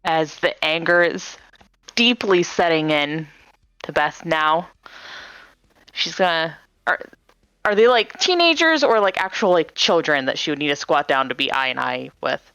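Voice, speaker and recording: A woman's voice: low voice, measured pace, a bit bright, clear, resonant tone, no echo. A woman player in a tabletop role-playing game, talking casually and chattily.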